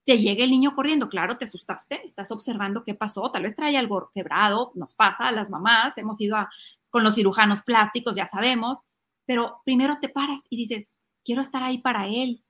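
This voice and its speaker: A woman's voice: a little high, fairly quick. A middle-aged woman giving parenting advice on a podcast, acting out little family scenes. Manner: lively, acts out child and parent voices. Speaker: podcast guest speaking on parenting.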